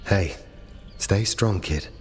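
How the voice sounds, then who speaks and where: An actor playing a resolute, earnest young warrior on a rescue mission in a video game. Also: male voice, sits low, slow pace. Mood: encouraging. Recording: long reverb, music behind. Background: game music.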